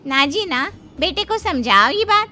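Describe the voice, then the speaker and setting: A woman's voice: high voice, very animated, a little slow, bright, forceful tone, faint music behind, heavily acted. A woman voicing a cruel, gossiping middle-aged friend in a cartoon story, sly and gloating. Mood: meddling.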